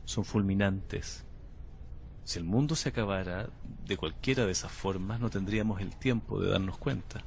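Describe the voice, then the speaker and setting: A man playing a calm, cryptic time traveler. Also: low-pitched, creaky, a little hiss or hum. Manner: slow, measured, unsettlingly calm. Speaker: patient under interview. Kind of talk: audio drama acting.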